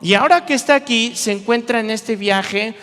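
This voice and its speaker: High-voiced, animated pastor in a hall. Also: male voice, normal speed. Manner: animated, jokey, playful asides to the crowd. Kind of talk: lively youth sermon with acted-out voices. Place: large church hall. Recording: long hall reverb.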